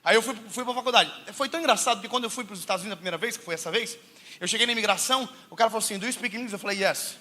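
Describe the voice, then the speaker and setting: A man from Brazil preaching a sermon told as a funny personal story, animated and laughing often, swinging between loud shouts and hushed asides. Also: high-pitched, rapid-fire, a little hiss or hum.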